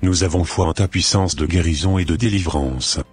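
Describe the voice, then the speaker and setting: In a cartoon, a male actor voices a devout Christian man, using a deep, rough-edged voice at normal speed. The scripted delivery is a formal, solemn, earnest prayer, with soft music playing underneath.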